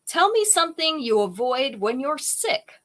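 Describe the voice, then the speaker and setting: A woman's voice: high voice, sing-song, moderate pace. Chatty woman hosting a live jewelry sale. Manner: chatty, greets viewers by name. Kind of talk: casual live-stream sales chat.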